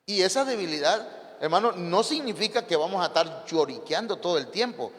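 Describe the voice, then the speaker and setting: A man's voice: sits high, brisk. Mexican man preaching in a reverberant hall. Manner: lively preaching, questions the congregation. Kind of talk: sermon. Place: church hall.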